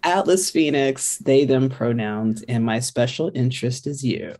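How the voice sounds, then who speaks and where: Low, mellow-toned woman co-host, playful and animated in delivery. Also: unhurried. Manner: playful, affirming interjections. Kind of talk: casual chat.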